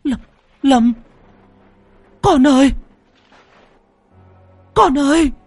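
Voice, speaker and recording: A grieving mother's voice in a storybook horror tale, pitched far up and cracking with pleading as she stammers out her questions, as a man puts her on. Her tone swings widely, and the voice sits dry and close. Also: lively intonation, moderate pace, dry recording, soft background music. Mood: pleading, anxious. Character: grieving middle-aged mother, a spirit medium.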